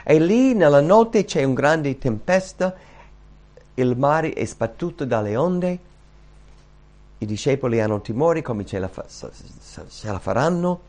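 A man preaching a sermon in animated storytelling style, acting out Bible scenes and repeating key phrases for emphasis. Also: medium pitch.

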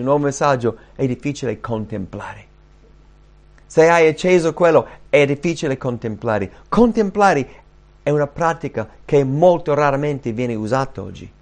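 A man preaching a sermon, earnest, rising and slowing down when he quotes scripture. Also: medium pitch, a little mellow. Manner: earnest, rises and slows when quoting scripture.

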